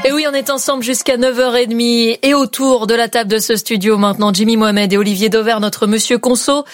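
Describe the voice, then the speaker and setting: A woman's voice: fairly high pitch, steady tone, brisk, faint music behind. Woman hosting a morning radio show.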